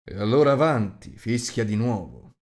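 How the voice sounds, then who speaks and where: A man voicing a gruff, rude, huge shape-changer who growls and talks bluntly. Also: lowish voice, expressive, moderate pace, a little mellow, natural voice.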